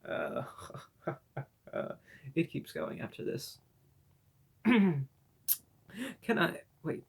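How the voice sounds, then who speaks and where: Slow, gravelly man reading horror mockingly. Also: fairly high pitch, huge pitch swings. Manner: sarcastic asides mid-reading; deliberately drawn-out spooky delivery. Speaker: creepypasta reader. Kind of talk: mock-spooky comedic story reading.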